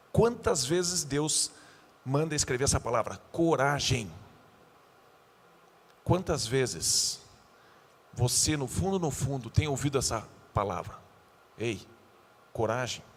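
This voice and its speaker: A male pastor giving a youth sermon, animated and joking, acting out the scenes he tells. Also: mid-range voice, takes it slowly, long pauses, slightly rough, in a large hall.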